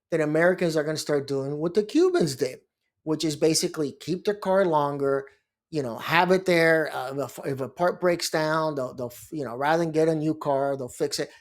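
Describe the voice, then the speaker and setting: A man's voice: fairly high pitch, normal speed. A middle-aged man from Miami, a lawyer, talking casually in a rambling monologue with asides and restarts. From Miami, Florida. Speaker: bankruptcy lawyer and blog host.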